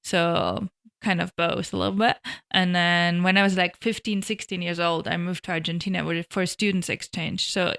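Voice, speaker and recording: A woman's voice: fairly low pitch, little pitch movement, moderate pace, gravelly, fairly bright tone. A young woman from Switzerland and Germany, telling her story as an interview guest with many "like" fillers. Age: young adult. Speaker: guest, alpinist and guide. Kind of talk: casual interview chat. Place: hotel room.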